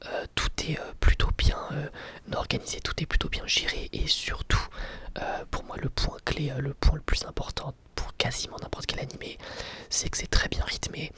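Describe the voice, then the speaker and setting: A man's voice: mid-range voice, flat delivery, normal speed, a bit bright. Whispering man, casual ASMR reviewer. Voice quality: breathy, unvoiced whisper.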